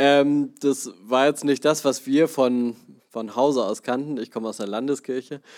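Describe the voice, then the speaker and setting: Speaking very slowly, a man has a fairly high-pitched voice. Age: 30s. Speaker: educator and welcome team leader. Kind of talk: panel talk.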